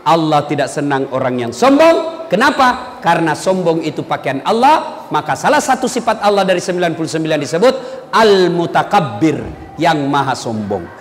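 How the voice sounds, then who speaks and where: A man's voice: fairly high pitch, moderate pace. A man from Sulawesi, giving a humorous sermon and acting out the people in his jokes. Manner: lively, teasing, acts out quoted people in put-on voices. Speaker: preacher. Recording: echoey hall with faint background noise.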